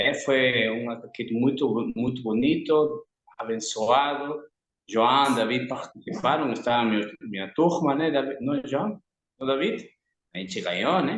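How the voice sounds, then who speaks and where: A man speaks in an ordinary speaking voice at medium pitch. His intonation is lively, and his pace is fairly slow. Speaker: church service leader. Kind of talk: church service, thanksgiving and prayer requests. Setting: online church service.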